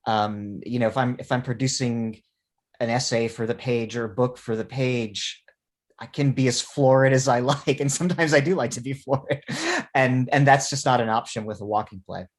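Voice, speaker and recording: A man with a mid-pitched voice takes part in a panel discussion. He speaks articulately, in elaborate, academic phrases. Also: fairly even intonation, moderate pace. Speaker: panelist, theatre writer and producer.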